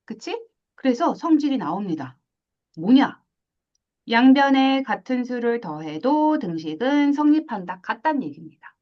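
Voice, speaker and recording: Lady math teacher, bouncy high-ish voice, all over the place in pitch, kinda dull lo-fi sound. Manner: animated, asks questions and acts out little scenes. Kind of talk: classroom lecture.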